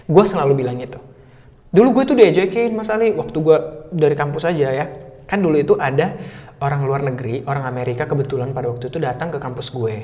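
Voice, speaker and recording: A man chats as a podcast guest, recounting his stories in an animated, playful way. His voice sits fairly high. The sound carries a long hall reverb. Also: quick pace. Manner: animated, acts out quoted voices, laughs often. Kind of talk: casual storytelling chat.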